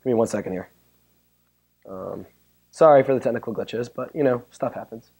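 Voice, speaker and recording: A man with a hoarse, worn-out voice giving a chatty, joking technical talk at a conference and bantering with the audience. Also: mid-range voice, moderate pace, darkish tone. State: hoarse, losing his voice. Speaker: conference speaker. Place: conference room. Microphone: handheld or stand mic.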